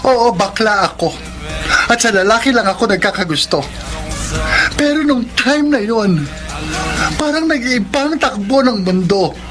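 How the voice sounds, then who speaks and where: A man's voice: extremely high pitch, expressive, unhurried, long pauses. Male actor, young gay man, Filipino accent, lovesick and confused, emotional pleading, radio romance drama, music behind. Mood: anguished, confused. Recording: background music under dialogue.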